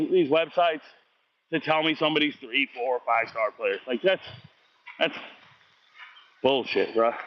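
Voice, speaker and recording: A man's voice: fairly high pitch, no echo, muffled recording. A man running a football recruiting vlog, casually answering viewer comments with blunt, slangy trash talk after a workout. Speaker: high school football recruiting vlogger.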